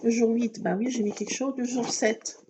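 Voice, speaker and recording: A woman's voice: a little high, fairly even intonation, moderate pace, noisy background. A woman chatting casually to viewers while doing scrapbook crafts, talking to herself as she works. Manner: chatty, talks to herself while working, fillers like voilà. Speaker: scrapbooking vlogger.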